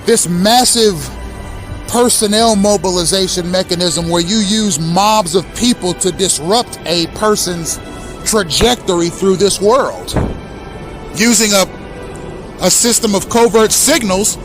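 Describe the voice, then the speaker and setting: High-pitched guy in his 30s ranting straight at the camera, hammering each word slow and heavy, faint music underneath. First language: English. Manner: accusatory, emphatic, slow deliberate stresses. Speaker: host. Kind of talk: impassioned direct-address monologue.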